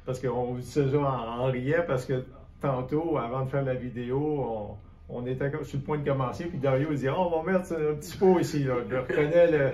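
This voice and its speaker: A man's voice: medium pitch, moderate pace, mellow. Quebec French man hosting in an echoey room. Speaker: host, renovation contractor interviewing a guest. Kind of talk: conversational video interview. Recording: roomy echo, noticeable background noise.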